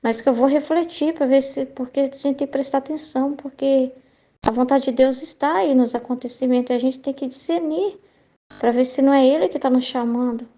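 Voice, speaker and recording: A woman's voice: sits high, fairly even intonation, brisk, warm tone. A woman sharing a casual spoken faith testimony, hesitant and searching for words, often checking in with tag questions.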